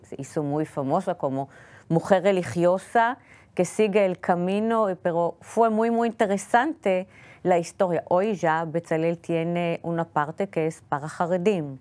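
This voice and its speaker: A woman's voice: lowish voice, darkish tone. Israeli woman telling family stories. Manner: careful, slightly halting non-native Spanish. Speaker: guest. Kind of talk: interview storytelling.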